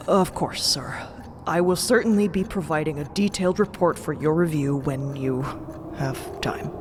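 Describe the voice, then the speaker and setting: A woman's voice: low voice, measured pace, background noise. A woman voicing a nervous, deferential male timekeeper officer in an audio drama, hesitant and stammering. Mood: nervous, placating. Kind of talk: audio fiction acting.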